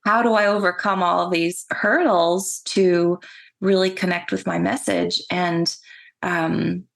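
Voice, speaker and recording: A woman podcast host with a very soft voice, speaking slowly and pausing between thoughts in a casual interview. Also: lowish voice, fairly even intonation, vocal fry.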